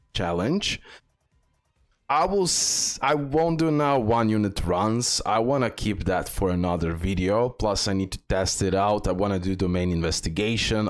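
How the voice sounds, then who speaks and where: Low-voiced man commentating gameplay. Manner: repeats words and phrases. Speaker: gaming video creator.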